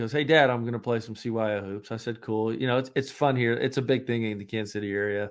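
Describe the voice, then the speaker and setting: Fairly even in intonation, a man speaks at a very fast pace. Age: 40s. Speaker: former NFL placekicker. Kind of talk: casual chat. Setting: remote podcast call from his office.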